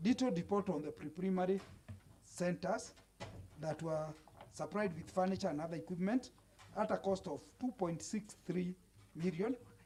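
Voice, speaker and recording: Loud and high-pitched, a man speaks at a moderate pace with ordinary pitch variation and long, frequent pauses. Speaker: county assembly member, committee chair. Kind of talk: tabling a committee report in plenary. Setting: county assembly chamber. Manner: formal, with hesitations and self-corrections.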